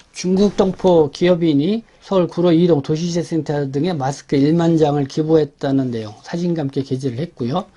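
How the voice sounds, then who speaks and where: A man hosting a news briefing, going through stories in an explanatory, halting way and often correcting himself. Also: a little high, dark tone. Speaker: host presenting a community newspaper's issue. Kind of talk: semi-scripted spoken news briefing, page by page.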